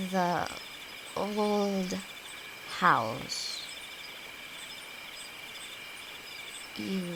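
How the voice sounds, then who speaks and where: A woman acting a timid, affectionate young apprentice alchemist in an intimate audio roleplay, nervous, stammering and hesitant, speaking to her best friend. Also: mid-range voice. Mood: anxious, grateful. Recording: insect and cricket noise behind voice. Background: night forest ambience with crickets.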